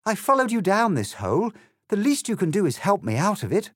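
A man's voice: medium pitch, wildly swooping pitch, measured pace, darkish tone, no room sound, clean studio sound, voice pushed up. A man voicing a confused, indignant little girl in a storybook, speaking primly and earnestly with exclamations. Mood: pleading.

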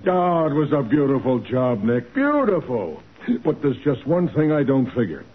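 An actor playing a hearty, teasing police sergeant in a 1940s radio drama, jovial and needling. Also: male voice, mid-range voice, sing-song, normal speed, over music, lightly acted. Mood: admiring. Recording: narrow-band 1940s radio recording.

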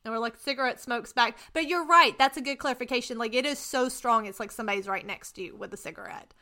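A woman's voice: fairly high pitch, fast talker, pushed and bright. A woman with a Texas accent, co-hosting a casual podcast chat and reacting eagerly. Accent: Texan. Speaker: podcast co-host.

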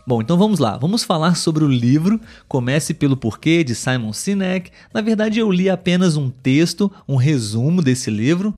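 A Brazilian man hosting a podcast for Portuguese learners. He talks alone in a clear, patient way and keeps checking in with his listeners. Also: fairly high pitch, a little mellow. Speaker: podcast host and Portuguese tutor. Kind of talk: solo educational podcast monologue for learners.

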